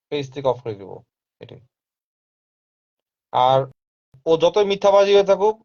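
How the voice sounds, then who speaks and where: A man talks at length in a firm, insistent way, repeating himself and slipping English phrases into his speech. His voice sits slightly high for a man. The recording is dull and lo-fi. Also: a little mellow. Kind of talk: casual live talk. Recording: dull lo-fi sound.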